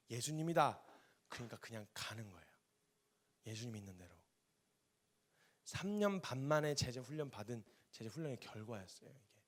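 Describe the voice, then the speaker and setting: Man, missionary preacher; quick-paced, lively sermon storytelling with acted-out dialogue. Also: medium pitch. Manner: lively storytelling, acting out dialogue in casual speech. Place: church.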